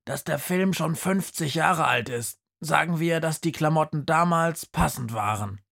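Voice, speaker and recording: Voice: medium pitch, unhurried, gravelly, a bit bright, pitched above the performer's own voice. Narrator voicing a lecturing headless creature professor. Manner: lecturing, slightly hesitant. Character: headless invisible creature teacher in trench coat, pedantic. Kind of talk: audiobook character voice.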